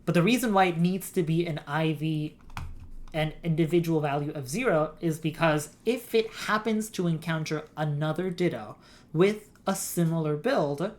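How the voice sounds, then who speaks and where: A woman's voice: deep voice, moderate pace, darkish tone. A woman streaming a game, explaining game mechanics in a rambling, giggly way. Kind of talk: casual gameplay stream chat.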